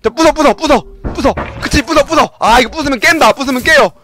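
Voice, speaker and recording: A man giving loud, yelping gameplay commentary as a game streamer, shouting quick repeated commands and laughing often. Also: very high voice.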